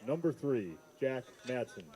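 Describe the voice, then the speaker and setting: A man announcing players over a PA loudspeaker, with formal and measured introductions. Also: mid-range voice, expressive, a crowd in the background. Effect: heard over a PA loudspeaker. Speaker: stadium announcer.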